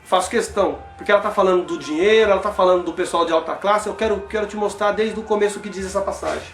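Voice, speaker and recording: A man's voice: high voice, quick pace, echoey room, soft background music. A man with a Brazilian accent giving impassioned religious commentary, exclaiming and asking rhetorical questions of his listeners, whom he calls brother. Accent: Brazilian Portuguese.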